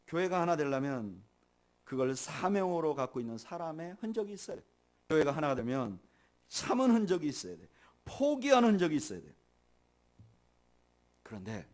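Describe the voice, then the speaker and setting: A middle-aged man preaching from the pulpit, his fairly high voice swinging widely in pitch. He builds to loud emphasis, then falls soft, and leads his listeners in reading aloud together. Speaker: pastor. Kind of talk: sermon.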